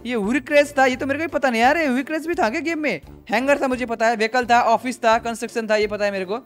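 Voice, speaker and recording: A young man with a high voice reacts to game footage in a chatty, excitable way, often calling out to his viewers. A little background music plays faintly behind him. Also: fast. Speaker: gaming YouTuber. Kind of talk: casual game reaction commentary.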